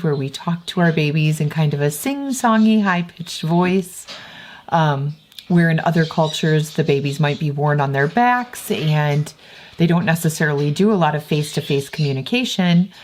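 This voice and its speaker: A woman's voice: low voice, darkish tone, slight background noise. A woman, chatting casually to the camera at home in a rambling, self-correcting way. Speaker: vlogger and homeschooling mother. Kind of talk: casual vlog chat. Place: at home indoors.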